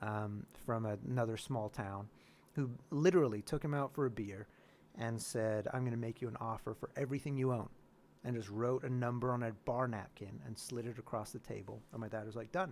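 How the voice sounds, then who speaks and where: Speaking fairly quickly, a man uses a medium pitch that varies in an ordinary way. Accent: American. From UK (Wales). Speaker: podcast guest. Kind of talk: casual chat. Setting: studio.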